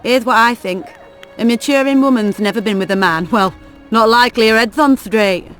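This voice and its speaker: A woman's voice: a little high, normal speed, a bit bright, natural voice. Woman voicing a foul-mouthed brothel whore, coarse and mocking, blunt game dialogue, faint music behind. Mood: crude, mocking. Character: crude sharp-tongued brothel whore, adult woman.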